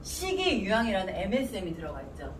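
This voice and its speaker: Lively woman presenter in a roomy, noisy space. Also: medium pitch, fast. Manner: didactic, repeats key terms and quizzes listeners. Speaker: product presenter teaching supplement ingredients. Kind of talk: informal sales lecture with questions to listeners. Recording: roomy, noisy recording from a distance.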